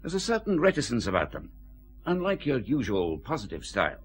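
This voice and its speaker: An actor playing a weary, sardonic senior police chief in a radio drama, grumbling with dry authority. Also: male voice, medium pitch, huge pitch swings, a little fast. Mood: stern. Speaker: head of CID, senior police officer.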